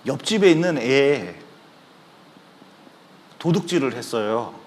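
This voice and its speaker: A pastor with a mid-range voice takes his time preaching a sermon in the church sanctuary. He narrates stories in an animated way, voicing the various people within them.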